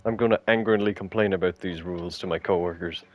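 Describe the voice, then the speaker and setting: A man's voice: sits low, fairly even intonation, fast. A man co-hosting a casual podcast, joking and teasing, with exasperated rants. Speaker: podcast co-host.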